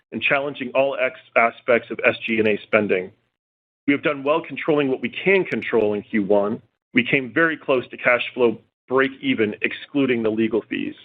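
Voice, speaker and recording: Man on a tinny phone line, formal. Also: medium pitch. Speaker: company chief executive. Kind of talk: scripted earnings call remarks. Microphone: phone conference call.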